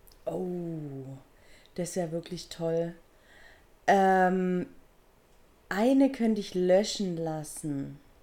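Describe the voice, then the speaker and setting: Her dark, mellow voice is fairly low in pitch, with lively intonation. The woman speaks very slowly, leaving long, frequent pauses. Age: 40s. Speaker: interviewee. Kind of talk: recorded interview answers.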